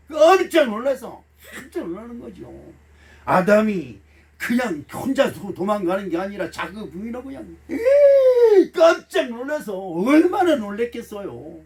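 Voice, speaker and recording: A middle-aged male pastor with a high, very animated voice preaches a folksy, emotional sermon, acting out voices and tossing blunt jokes to his congregation. He's recorded from a distance in a church sanctuary, so the sound is set back from the mic.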